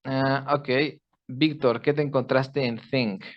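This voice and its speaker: A man's voice: medium pitch, fairly even intonation, takes it slowly. A man teaches pronunciation in an online class, walking his students through each sound step by step. He checks in with them often. The audio is a bit dull and lo-fi, like a video call. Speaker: English teacher.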